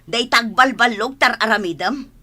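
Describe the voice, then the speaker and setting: A woman's voice: on the high side, moderate pace, sharp tone. A woman voicing a bitter mother in an audio drama, scolding and complaining.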